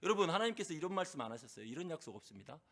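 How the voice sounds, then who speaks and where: A middle-aged man preaching a sermon as pastor, impassioned, often putting questions to the congregation and swinging from loud crying out to hushed. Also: a little high, big pitch swings, very fast.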